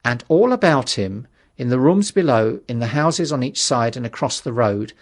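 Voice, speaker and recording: Male audiobook narrator, measured and dramatic. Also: mid-range voice, lively intonation. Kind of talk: scripted literary narration.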